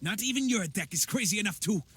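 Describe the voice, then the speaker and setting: High, husky, agitated fantasy game warrior. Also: male voice, expressive, fast talker, bright, forceful tone, exaggerated voice. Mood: alarmed disbelief. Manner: agitated, exclamatory. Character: panicky, incredulous male captive warrior of pagan folk. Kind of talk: fantasy video game acting.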